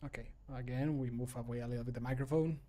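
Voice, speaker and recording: A man's voice: medium pitch, steady tone, quick pace, dark tone. A man on a live stream at his home desk, talking casually and mocking himself as he records and judges his own voice takes on a desk microphone. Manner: self-mocking, chatty, talks through each retake. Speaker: streamer recording voice lines for a game mod. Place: home room at a computer desk.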